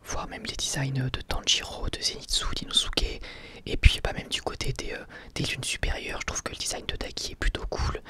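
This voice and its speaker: A man whispering an informal, hesitant ASMR-style review. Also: moderate pace. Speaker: ASMR YouTuber reviewing anime.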